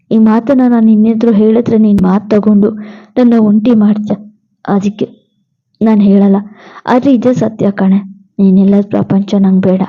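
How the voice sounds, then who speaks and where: A woman's voice: mid-range voice, lo-fi sound, close to an everyday voice. Woman voicing a grieving devoted young husband.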